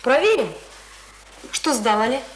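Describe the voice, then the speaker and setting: A brisk young woman with a fairly high voice, bossy and colloquial. She speaks in short, commanding phrases, in the manner of a radio play. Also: very animated, low-quality recording. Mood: brisk, demanding. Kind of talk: radio drama acting.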